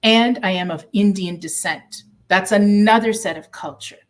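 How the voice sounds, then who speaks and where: Woman guest from Canada, middle-pitched, earnest and measured, speaking with pride. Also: faint music behind. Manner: earnest, proud, measured with pauses. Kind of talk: heartfelt interview answer.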